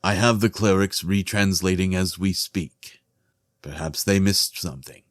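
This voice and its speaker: A very low, slow-spoken king played by a man for a fantasy audio drama. He is earnest and weary, with measured, formal phrasing and a dry, close recording. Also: no echo. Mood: gentle. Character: earnest, weary king, devoted husband and loyal friend.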